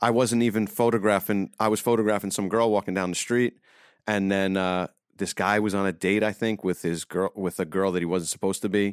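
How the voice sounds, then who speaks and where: A man speaks in an ordinary speaking voice, fairly low in pitch, with fairly even intonation at a fairly quick pace, recorded dry and close with no echo on a very clean track with a silent background. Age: 40s. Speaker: street photographer. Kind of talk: casual chat.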